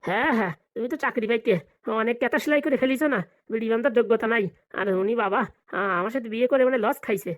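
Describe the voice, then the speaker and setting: A woman's voice: a little high, natural voice. A woman voicing a scheming, money-hungry village father in a comedy cartoon, scolding and bantering. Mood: bossy, bantering. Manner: rapid, colloquial, bantering scolding.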